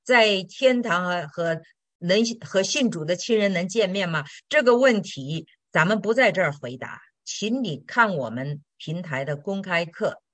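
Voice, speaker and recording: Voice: medium pitch, expressive, measured pace, fairly bright tone, no echo. Brief: straight-talking Christian teacher, Q&A sermon, dry close sound. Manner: direct, blunt, colloquial with tag questions. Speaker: Christian teacher answering listener questions. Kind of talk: sermon-style Q&A.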